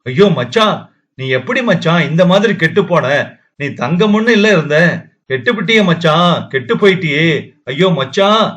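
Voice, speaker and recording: A man's voice: a little high, animated, moderate pace, fairly bright tone. A man voicing a distraught feverish young wife. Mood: wailing anger. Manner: wailing, sobbing pleas. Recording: dull lo-fi audio.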